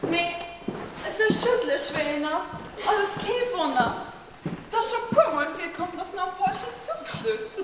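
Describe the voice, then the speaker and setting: Woman playing a cheeky, quick-talking office worker. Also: very high voice, lively intonation, very echoey, in a large hall. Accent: Luxembourgish. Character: cheeky office worker mocking her boss. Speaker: cabaret actor. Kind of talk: live stage cabaret sketch. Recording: distant stage recording with hiss.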